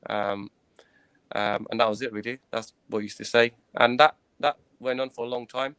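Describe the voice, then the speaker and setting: A man in his thirties, a guest in an interview, recounting his own experiences in an earnest, hesitant way, pausing and restarting often. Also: mid-range voice, steady tone, a bit bright, smooth, no echo. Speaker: guest, former professional cricketer.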